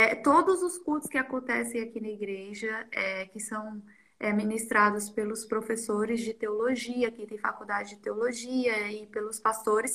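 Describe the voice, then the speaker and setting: A woman's voice comes across with a bright, sharp tone. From Brazil, interior of Minas Gerais. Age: 20s. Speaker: volunteer missionary, lawyer. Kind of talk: testimony interview.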